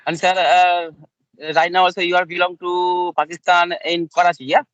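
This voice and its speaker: A man's voice: high voice, flat delivery, moderate pace, a bit bright, no echo, lo-fi sound. A man interviewing a guest in a casual English practice conversation, polite and deferential and often addressing him as sir.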